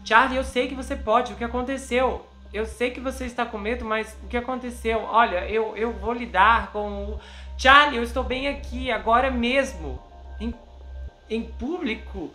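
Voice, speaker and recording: A woman's voice: a little high, normal speed, pushed and bright. A woman voicing a female nurse who presses and pleads with a friend. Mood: pleading. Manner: urgent, insistent. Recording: roomy with background music.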